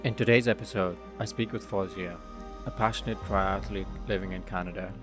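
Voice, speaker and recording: A male podcast host calmly reading a scripted introduction to his show. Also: sits low, fairly quick. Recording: voice over background music.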